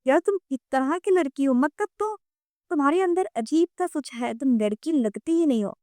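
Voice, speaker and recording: A woman's voice: mid-range voice, steady tone, warm tone, no room sound, studio quality, close to an everyday voice. A woman reading the part of a brooding, irritable husband who speaks bluntly. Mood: irritated. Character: man, brooding wealthy husband.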